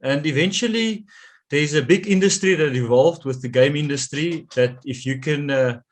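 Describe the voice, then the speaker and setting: A man's voice: a little high, normal speed. Hesitant South African man giving a talk. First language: Afrikaans. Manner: hesitant, lots of fillers and restarts. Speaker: conservation scientist giving a talk. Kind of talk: closing remarks and Q&A answer.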